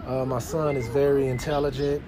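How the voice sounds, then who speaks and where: A man's voice: medium pitch, little pitch movement, brisk, a crowd in the background. A man in his thirties, a father and podcast host, venting in a rambling, earnest way and talking straight to his listeners. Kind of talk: casual venting monologue. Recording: noisy background.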